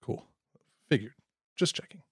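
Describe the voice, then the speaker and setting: A man's voice: measured pace, fairly bright tone, no echo, studio quality, close to an everyday voice. Casual, loyal male friend, acted by a man. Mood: casual, protective. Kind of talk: audio drama acting, casual dialogue.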